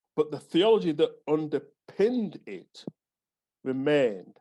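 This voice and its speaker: Speaking with a Yorkshire accent, a man uses a fairly high pitch and a dark, mellow tone, moving fairly slowly with very wide pitch swings. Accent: Yorkshire, northern English. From northern England, Yorkshire. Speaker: professor. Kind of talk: lecture.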